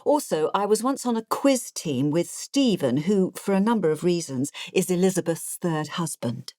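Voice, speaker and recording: Audiobook narrator: actress as elderly English ex-nurse, artless and confiding, low register, lively inflection, dry close sound. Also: female voice, moderate pace, dry recording, close to an everyday voice. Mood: confiding, chatty. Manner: confiding, digressive, matter-of-fact. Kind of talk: audiobook first-person narration.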